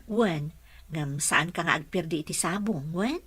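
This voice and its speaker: A woman playing a patient, dutiful mother and caregiver in an Ilocano radio drama, gentle and apologetic. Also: low voice, a little slow, breathy edge, no echo, exaggerated voice.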